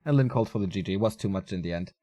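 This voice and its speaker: A man commentating a strategy game alone, casual and chatty, his voice a little raspy and tired. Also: lowish voice, rapid-fire, dark tone. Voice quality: casual, chatty delivery with fillers. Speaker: esports caster.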